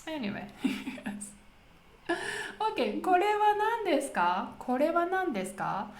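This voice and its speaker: A woman with a high voice and a Japanese accent hosts a conversational language lesson. She explains step by step and poses questions along the way. The sound is echoey and roomy. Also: big pitch swings, normal speed. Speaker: host leading English conversation practice. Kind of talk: casual explanatory lesson talk.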